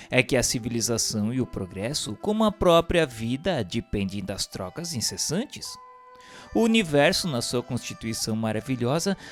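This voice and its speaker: A man giving a solemn, formal and declamatory scripted narration, like an audiobook. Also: medium pitch. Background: background music.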